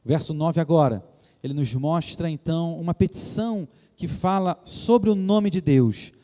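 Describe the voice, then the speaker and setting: Preaching in a church sanctuary, a male pastor with a Brazilian Portuguese Rio de Janeiro accent speaks with reverent earnestness, pausing for emphasis and repeatedly addressing the congregation as "queridos." His voice sits somewhat high yet sounds warm and mellow, each phrase trailing into lengthy reverb.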